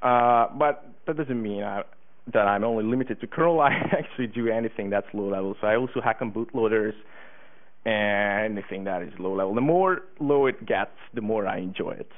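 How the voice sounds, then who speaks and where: A man's voice: on the low side, fairly quick. An eighteen-year-old man from Hungary giving a conference talk, eager, with many fillers and restarts. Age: teens. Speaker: conference speaker. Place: conference room. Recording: tinny phone-like conference recording.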